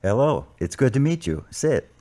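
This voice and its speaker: A man playing a patient, probing Catholic priest in an amateur audio drama, speaking in a measured, counselling way. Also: medium pitch, big pitch swings, dark tone, lightly acted. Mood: courteous. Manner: measured, counselling, formally worded.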